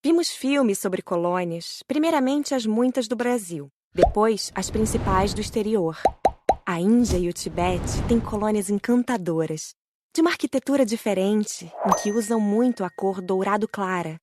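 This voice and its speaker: A woman calmly narrating an audiobook in the first person. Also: medium pitch, normal speed, noisy background. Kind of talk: scripted audiobook reading.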